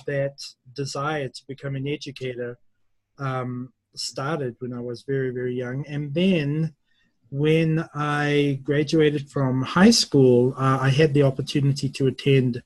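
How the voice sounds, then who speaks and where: A middle-aged man from New Zealand, a university English teacher, answering interview questions slowly and thoughtfully, with many pauses. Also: a little high, steady tone, darkish tone, no echo, poor audio.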